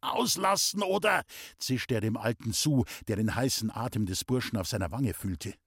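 A man reading a classic novel aloud as an audiobook, in even, measured storytelling. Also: lowish voice, breathy edge, no room sound, clean studio sound. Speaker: audiobook reader. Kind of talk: scripted narration of a classic novel.

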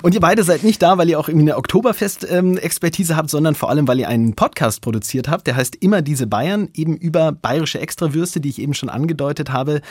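A man's voice: a little high, quick pace, hardly any pauses, darkish tone, breathy edge, dry recording. A man hosting a radio talk show from a studio, introducing guests in an upbeat way. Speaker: host.

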